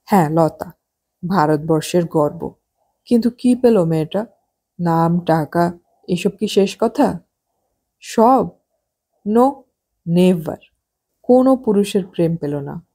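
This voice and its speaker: A woman voicing an excitable middle-aged husband with an unsteady mind, talking in an insistent, rambling way. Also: fairly low pitch, slow, pauses often, slightly rough, full character voice. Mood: emphatic.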